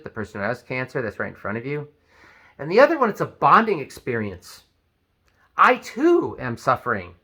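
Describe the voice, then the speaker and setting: Animated man with a bright, lively voice. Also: fairly high pitch. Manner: animated, acts out quoted speech. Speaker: vlogger. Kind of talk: advice video talk.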